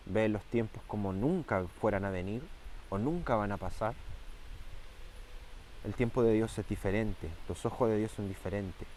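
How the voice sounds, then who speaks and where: A man preaching a fervent sermon, repeating key phrases and slowing down and rising for emphasis. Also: lowish voice, a little mellow, slight background noise.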